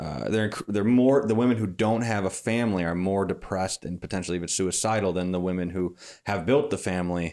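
Speaking very fast with hardly any pauses, a man with a very deep, low voice and an American accent keeps ordinary pitch variation in a very clean recording with a silent background. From Madison, Wisconsin, US Midwest. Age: 20s. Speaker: podcast host. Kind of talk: interview conversation. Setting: in the guest's home.

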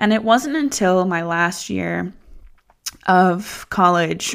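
A woman with an American accent, medium in pitch with ordinary pitch variation, on a very clean recording with a silent background. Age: 20s. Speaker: sobriety coach and podcast host. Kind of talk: casual solo monologue. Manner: conversational.

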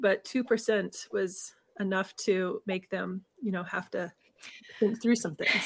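Fairly slow in pace, the speech has a somewhat breathy sound. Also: woman, medium pitch for a woman, ordinary pitch variation. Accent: American. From US South. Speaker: podcast host. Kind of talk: interview.

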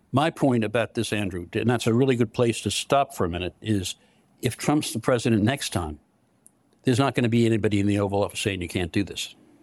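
Over a dry, close sound with no echo, a man speaks at a very fast pace, medium in pitch with ordinary pitch variation. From New York City. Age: 80s. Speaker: journalist and author. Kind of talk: casual interview. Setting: video call.

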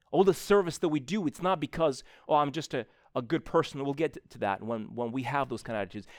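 A man's fairly high voice with an Eastern European accent and lively intonation, on a very clean recording with a silent background. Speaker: preacher. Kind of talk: sermon. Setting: church.

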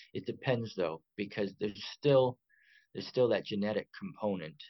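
A man speaks in a medium pitch at a moderate pace, his intonation lively. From California. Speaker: therapist. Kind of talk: interview. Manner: hesitant, many filler words.

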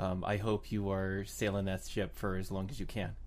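With very deep, low pitch and ordinary pitch variation, a man speaks at a moderate pace amid audible room echo. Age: 30s. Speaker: podcast host, military veteran. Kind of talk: casual interview chat.

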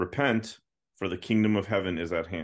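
A man speaks in an unremarkable speaking voice, fairly low in pitch, with fairly even intonation at a moderate pace. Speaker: pastor. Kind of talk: theological discussion.

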